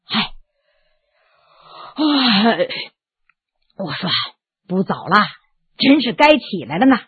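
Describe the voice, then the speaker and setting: A woman voicing an idle, doting official man in a storybook reading, his voice dropped low and drawling. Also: very animated, slow pace, slightly rough, full character voice. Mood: lazy. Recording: tinny narrow phone-like sound, dry.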